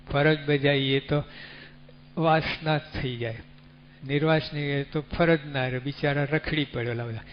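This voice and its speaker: A male religious speaker with a voice on the high side delivers a devotional sermon in a measured, unhurried way, teaching through rhetorical questions and examples drawn from animals. The recording is dull and lo-fi, with a faint hum in the background.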